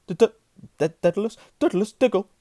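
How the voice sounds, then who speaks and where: A man voicing an overjoyed, excitable little gentleman who gushes and trips over his words in a storybook. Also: high-pitched, quick pace, dry recording, clean studio sound, pitched above the performer's own voice, natural voice. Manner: gushing, stumbling over words.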